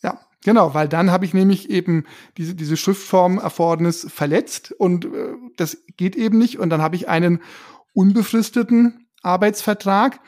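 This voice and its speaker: A man's voice: sits high, normal speed, darkish tone. A man from Germany explaining things as a podcast co-host in colloquial, casual talk with everyday examples.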